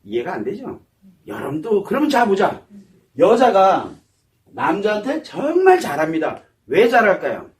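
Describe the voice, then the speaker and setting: A man's voice: high-pitched, wildly swooping pitch, moderate pace. A man giving a psychology lecture, asking the audience questions and answering them himself. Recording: voice somewhat far from the mic.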